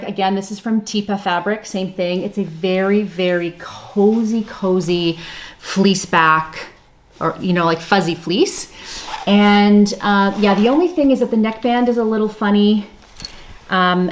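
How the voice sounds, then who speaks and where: Chatty, self-deprecating woman sewing vlogger. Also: mid-range voice. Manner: chatty, self-deprecating, laughs often, with fillers. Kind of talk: casual show-and-tell chat.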